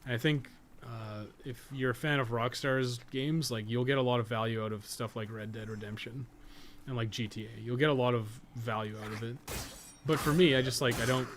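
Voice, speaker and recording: A man's voice: mid-range voice, fairly even intonation, a little fast, a little hiss or hum. A man chatting casually as he livestreams a game, rambling, rephrasing his points and swearing casually. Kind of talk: casual chat while playing, answering viewers.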